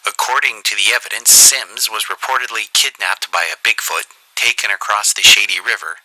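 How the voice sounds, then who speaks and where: A man's voice: on the low side, a little fast, bright, forceful tone, no echo, poor audio. An actor playing a formal male news anchor, reading a serious report with punchy announcing.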